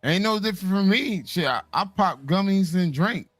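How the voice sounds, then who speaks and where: A man's voice: high voice, expressive, normal speed, a bit bright, dry recording. A tired man who hasn't slept, chatting on a livestream with loose, profane talk. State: tired from no sleep. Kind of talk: casual livestream chat.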